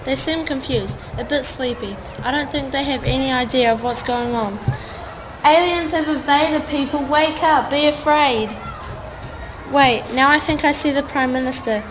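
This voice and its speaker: An alarmed outdoor reporter, played by a New woman, giving urgent commentary in a high voice. Clear background noise runs behind it. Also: moderate pace, natural voice. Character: field reporter Paige, alarmed.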